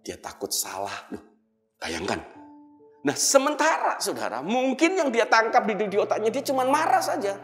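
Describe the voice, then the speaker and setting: Animated preaching man, echoey hall. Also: lowish voice. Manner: animated preaching, often addresses listeners as "saudara". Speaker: pastor. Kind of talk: sermon. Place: church auditorium. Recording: echoey church hall with music behind.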